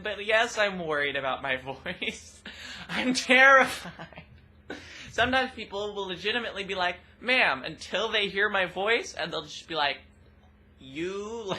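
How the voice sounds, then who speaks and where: A young trans woman with a rather deep voice, talking expressively and loudly in a casual personal vlog. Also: slight background noise. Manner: expressive, loud, laughs often. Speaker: vlogger.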